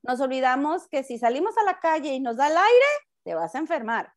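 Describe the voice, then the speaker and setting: A middle-aged woman with a Mexican accent talks in a loud, high voice that sounds close to shouting. She chats casually as a guest on a talk show, often breaking off and repeating herself. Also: big pitch swings, a little fast. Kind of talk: casual chat.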